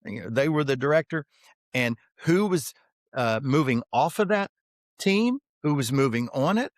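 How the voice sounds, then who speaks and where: A man's voice: mid-range voice, lively intonation, normal speed, dry recording, clean studio sound. A man guest on a podcast interview, telling stories and driving points home with emphatic rhetorical questions. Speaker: podcast guest, author on leadership development. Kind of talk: conversational podcast interview, storytelling.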